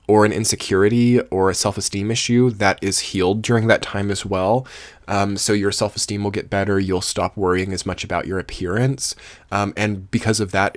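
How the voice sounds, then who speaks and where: Male tarot reader, deep and dry, earnest and meandering, voice wearing thin. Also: dry recording. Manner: rambling, earnest, with many fillers. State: losing his voice. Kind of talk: casual tarot reading to camera.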